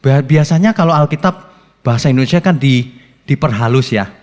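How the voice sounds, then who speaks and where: A male pastor preaching a sermon, swinging between high exclaims and low asides, with many rhetorical questions. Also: brisk. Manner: lively preaching with sudden rises and drops, rhetorical questions. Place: church hall. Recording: long hall reverb.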